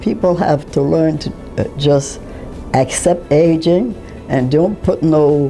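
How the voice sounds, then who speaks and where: With music in the background, a woman with a very deep, low pitch speaks with ordinary pitch variation. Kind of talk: interview answer.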